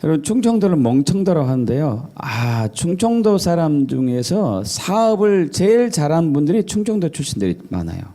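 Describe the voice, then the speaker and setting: A male pastor delivers a Sunday sermon with a lively, swooping delivery. His voice is fairly high yet mellow and warm, and he tells jokey stories, slipping into playful imitations of regional dialects. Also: normal speed, hardly any pauses. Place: church service.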